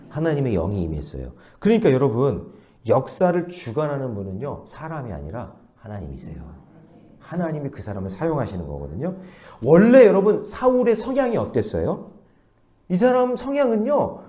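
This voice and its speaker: A man's voice: on the high side, darkish tone. A male pastor giving an early-morning sermon, asking the congregation questions as he preaches.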